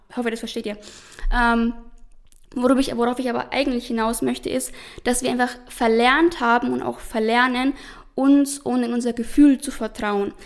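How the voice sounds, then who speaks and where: A woman talks in a high pitch. She leaves long, frequent pauses. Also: fairly even intonation, moderate pace. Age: 20s. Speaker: podcast host, youth life coach. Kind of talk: solo podcast monologue. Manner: casual, with frequent fillers.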